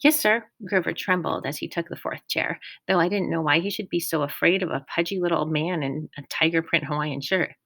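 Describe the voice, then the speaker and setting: A woman reading a novel aloud in a plain, steady audiobook narration. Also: low-pitched, a little fast, gravelly, few pauses, no echo. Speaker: audiobook reader.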